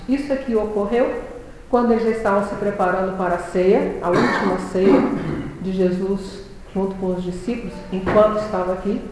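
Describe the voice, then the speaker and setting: A woman giving a reflective religious talk, reading scripture aloud slowly and solemnly. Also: medium pitch, darkish tone, slight background noise. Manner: reads scripture aloud in a slow, solemn cadence. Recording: very echoey hall.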